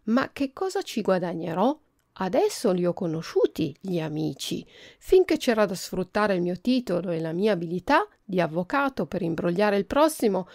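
A woman voicing a small, proud male lawyer in a storybook reading, timid yet stubborn, with a gravelly edge. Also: mid-range voice, darkish tone, no echo, clean studio sound. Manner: pleading, then defiant.

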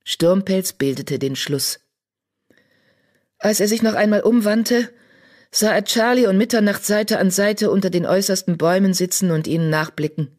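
A narrator reading a children's animal story aloud in an even storytelling manner. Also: mid-range voice, moderate pace. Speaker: audiobook narrator. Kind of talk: scripted narration.

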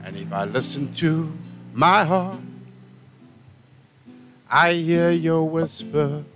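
A man in his forties singing a slow, gentle ballad at an outdoor graveside service, into a stand mic. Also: fairly high pitch. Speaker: singer with guitar at a funeral. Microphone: stand mic close to the singer. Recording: live outdoor stream with guitar. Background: acoustic guitar.

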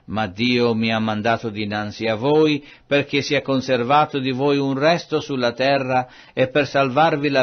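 A man reading scripture aloud in a measured, solemn way. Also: mid-range voice, muffled recording. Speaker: Bible reader.

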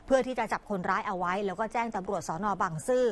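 A woman news reporter narrating a crime story in a brisk, polite news delivery. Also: mid-range voice.

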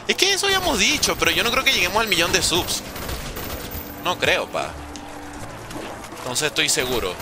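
A man in his thirties from Venezuela with a Venezuelan Spanish accent, chatting casually as a gaming streamer while reading chat and humming little sounds as he plays. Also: on the high side. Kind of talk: live gameplay commentary reading chat.

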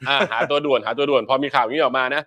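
A man's voice: mid-range voice, steady tone, quick pace, pushed and bright. A man hosting a casual football talk show, chatting and reading viewer comments with many fillers and polite particles.

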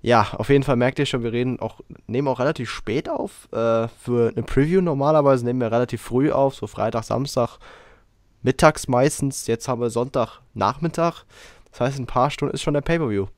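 A man hosting a casual podcast while he has a cold, talking in a rambling, relaxed way with lots of fillers. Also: medium pitch, a little fast, no room sound, clean studio sound. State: has a cold, hoarse throat. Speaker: podcast host.

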